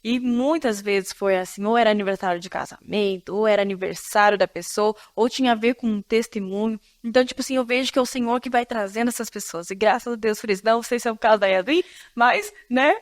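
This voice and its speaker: High, expressive woman pastor hosting. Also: fast talker, no echo, clean studio sound. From Florianópolis, Brazil. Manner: lively, expressive, laughs often, preachy asides to listeners. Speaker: pastor and podcast host. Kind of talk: casual faith-based podcast conversation.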